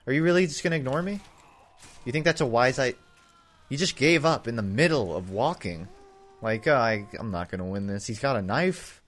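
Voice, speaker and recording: A man's voice: mid-range voice, animated, a little fast, fairly bright tone. A young man giving casual, rambling commentary over his game footage, full of sarcastic, self-mocking jokes. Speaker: gaming YouTuber.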